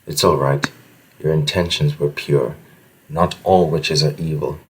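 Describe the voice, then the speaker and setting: Low, husky, gentle nobleman played by an actor. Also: fairly even intonation, measured pace, full character voice, poor audio. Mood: gentle reassurance. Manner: courteous, archaic, earnest phrasing. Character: gentle, loyal, chivalrous nobleman, protective and solemn. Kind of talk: audio drama acting.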